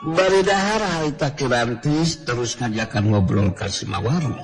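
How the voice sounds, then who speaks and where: A man from West Java narrating a folk tale as a storyteller, in a measured way. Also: mid-range voice, animated. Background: background music.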